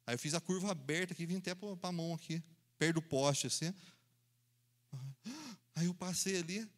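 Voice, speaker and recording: A preacher tells his story animatedly, acting out the voices and sound effects himself. His voice sits fairly high for a man. He often laughs along as he talks. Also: normal speed. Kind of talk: storytelling sermon.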